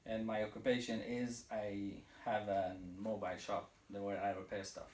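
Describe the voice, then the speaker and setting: Guy, lowish flat voice, echoey room, mic kinda far. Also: moderate pace. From Iraq. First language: Kurdish. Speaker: interviewee, phone repair shop owner. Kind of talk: casual interview.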